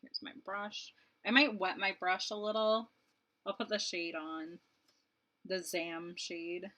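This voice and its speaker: A woman's voice: fairly low pitch, level tone, slow, sharp tone. A woman in her late twenties, a beauty vlogger chatting casually and rambling while she does her makeup, laughing often. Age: 20s.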